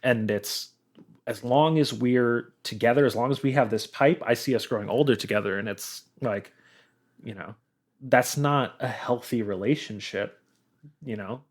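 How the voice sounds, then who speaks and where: A man's voice: medium pitch, moderate pace. A man speaking as a podcast guest in a casual music discussion.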